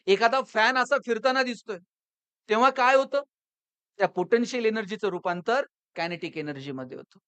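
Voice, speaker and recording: A man giving a motivational public lecture, telling stories and asking the audience rhetorical questions, swinging between loud and hushed delivery. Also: sits high, a little fast, clean tone, no room sound. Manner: rhetorical questions and storytelling, rises and drops in loudness.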